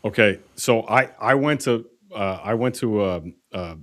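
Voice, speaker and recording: A man's voice: lowish voice, measured pace, no room sound, clean studio sound. A man chatting casually as a podcast co-host, telling rambling, profane stories full of fillers and restarts. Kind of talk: casual chat.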